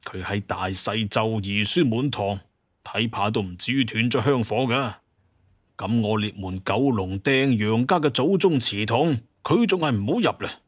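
A man's voice: on the low side, a little slow, no room sound, clean studio sound. A man playing a proud, bitter hunter clan heir in an audio drama, with an emphatic manner. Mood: bitter, indignant.

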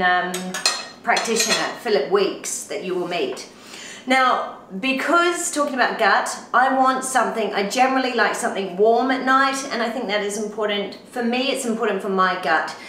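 A woman's voice: mid-range voice, a bit bright, a little hiss or hum. Woman, 40s, New Zealand accent, tired, chatty, laughs often, home kitchen, echoey. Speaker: lifestyle vlogger. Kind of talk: casual talk to camera while cooking.

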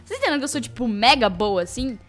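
A young woman, doing excitable, mock-boastful gameplay commentary. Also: on the high side, rapid-fire, faint music behind. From Brazil. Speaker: gaming channel host. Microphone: desktop studio microphone.

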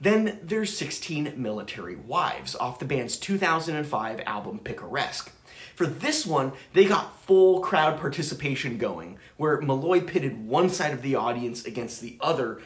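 A man in his thirties who hosts a vinyl channel narrates his trip in a casual travel vlog, enthusiastic and chatty. His voice sits on the high side with a sing-song lilt and measured pace, sounding roomy in a space lined with record shelves.

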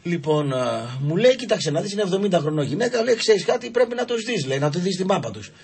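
In a radio studio, a guest on the show shares funny stories in a relaxed, comic way. His voice is high and slightly rough, and he animatedly performs the different voices in his anecdotes.

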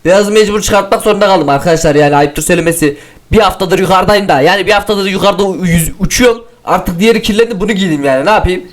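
A young man giving playful, excitable commentary while playing a game as a gaming YouTuber. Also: sits high, fast talker. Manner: excitable, joking, swings to loud shouts.

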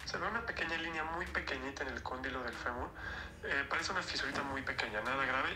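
A man's voice: medium pitch, fast, background noise. A man speaking as a doctor who gives a patient's results in a matter-of-fact, reassuring voice message. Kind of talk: recorded voice message. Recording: echoey voice note with music behind.

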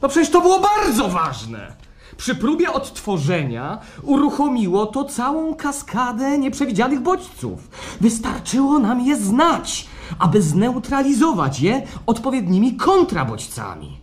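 An actor playing a fussy, obsessive doctor in a live radio play, theatrical, exclamatory and pedantic. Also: male voice, extremely high pitch, huge pitch swings, measured pace, heavily acted. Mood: exasperated. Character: excitable, fussy, obsessive male doctor-experimenter. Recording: live stage recording with background noise.

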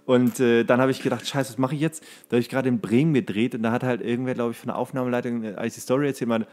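A man's voice: medium pitch, steady tone, darkish tone. Male podcast host, mid-range voice, loose anecdotal delivery that stops and rephrases as he goes. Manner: halting, self-correcting storytelling. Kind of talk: casual chat, rambling anecdote.

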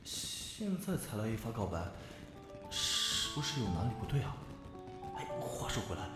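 A man's voice: on the low side, big pitch swings, normal speed. An actor playing a flustered, lovestruck young man thinking aloud in a puzzled, questioning way in an amateur audio drama. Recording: very echoey, music underneath.

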